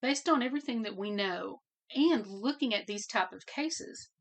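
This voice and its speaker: A woman's voice: on the high side, lively intonation, moderate pace. A woman hosting a podcast, talking through her points alone in an earnest way and often repeating phrases for emphasis. She is losing her voice and coughs now and then. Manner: coughs and clears throat. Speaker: podcast host. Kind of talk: solo podcast commentary.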